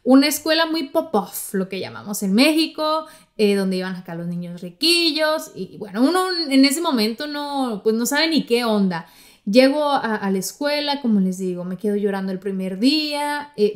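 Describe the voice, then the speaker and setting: Chatty Mexican woman, slightly high voice. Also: animated, moderate pace. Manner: chatty storytelling, talks straight to listeners. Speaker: podcast host. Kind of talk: casual podcast monologue.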